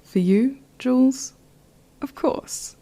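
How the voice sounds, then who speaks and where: A woman's voice: high-pitched, takes it slowly, warm tone. A woman playing a playful, teasing young member of a heist crew in an audio drama, with a wry manner.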